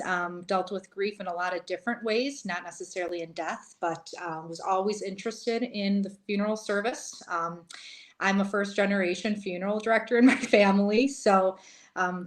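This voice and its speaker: A woman's voice: fairly low pitch, fairly bright tone. Laughing woman with a Minnesotan accent. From Italy. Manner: laughs often, many ums. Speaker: guest, funeral director. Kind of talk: casual interview conversation.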